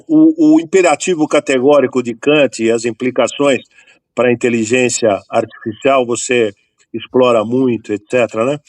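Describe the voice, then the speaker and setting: A man co-hosting a podcast with a mid-pitched voice. He asks long, rambling questions and mixes small jokes with serious points. The sound is dry and close to the microphone. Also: no room sound. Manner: joking then earnest, rambling questions. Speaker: podcast co-host. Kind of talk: casual interview.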